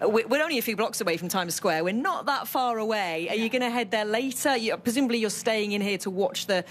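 A woman's voice: fairly high pitch, quick pace. A woman radio sports presenter doing a live on-location interview in a busy sports bar, upbeat and chatty, laughing often.

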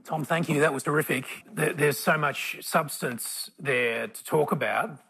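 A man's voice: a little high, measured pace, gravelly, pushed and bright, slightly rough. A man moderating a live panel, rambling with frequent restarts. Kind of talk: live event panel chat.

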